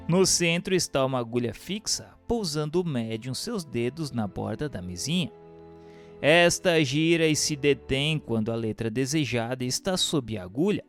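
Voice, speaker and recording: Male narrator, solemn reading, lively pitch, slightly high voice, faint music behind. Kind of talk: scripted reading of a spiritist book.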